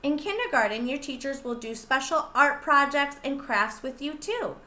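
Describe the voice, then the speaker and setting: A young woman pre-K teacher reading a picture book aloud to small children, slow and gentle, stopping to ask them questions. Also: high-pitched, expressive, reverberant. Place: classroom.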